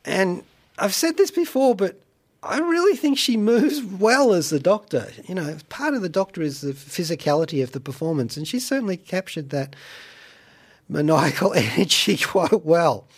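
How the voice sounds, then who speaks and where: A man hosting a radio show, chatting about pop culture in a wry, playful way with theatrical asides and deliberate phrasing. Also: high voice, lively intonation, husky. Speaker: radio show host and reviewer. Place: radio studio.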